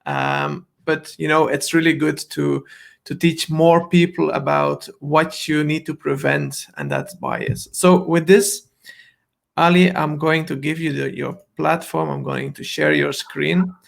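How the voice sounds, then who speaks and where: Gravelly-voiced male stream host. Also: a little high, big pitch swings, a little slow. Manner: friendly, asks short questions. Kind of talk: livestream hosting.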